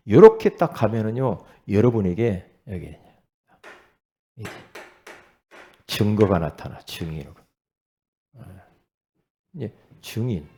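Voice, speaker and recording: A middle-aged male pastor preaching a sermon in a conversational way, swinging from loud bursts to hushed asides and often asking the congregation for assent. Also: lowish voice, big pitch swings, unhurried, pauses often.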